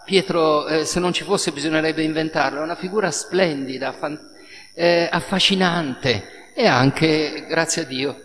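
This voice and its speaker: A male priest giving a sermon, telling the story in a lively way with spoken sound effects. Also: on the high side, unhurried. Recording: reverberant hall with faint noise.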